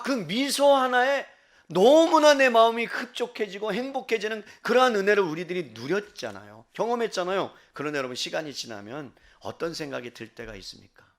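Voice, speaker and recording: A man preaching a sermon as pastor, asking the congregation questions and dropping his voice low for quoted inner thoughts. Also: fairly bright tone. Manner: asks the congregation direct questions.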